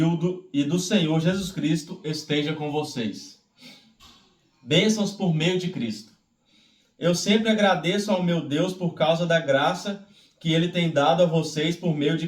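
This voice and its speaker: Brazilian Portuguese man, devotional scripture reader, higher-pitched voice, roomy echo. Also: darkish tone. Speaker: devotional Bible reader leading prayer. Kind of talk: devotional scripture reading aloud. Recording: roomy, echoey, distant microphone.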